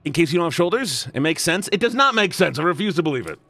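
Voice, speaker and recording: A man streaming as he voices a visual novel, joking excitedly and asking his chat for ideas. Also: fairly high pitch, quick pace, vocal fry, no echo, faint music behind. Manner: excitable, jokey, asks chat for input.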